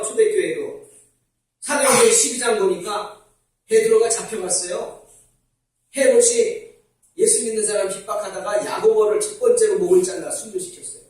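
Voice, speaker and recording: A man's voice: sits high, a little mellow. A male pastor preaching a sermon, asking the congregation questions and answering them himself. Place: church sanctuary. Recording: very echoey church hall from far off.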